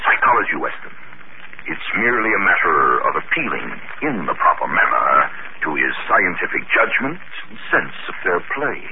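Scheming mad scientist, lowish voice with lively rise and fall, tinny noisy old radio drama. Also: male voice, normal speed, full character voice. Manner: cold, smooth, persuasive. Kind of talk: 1950s radio drama acting.

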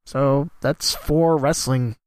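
Slow and smooth, his medium-pitched voice steady yet worn from a cough, a sports announcer hosting his own podcast rambles casually on his own. He leaps between topics and jokes at his own expense, with no echo in the recording.

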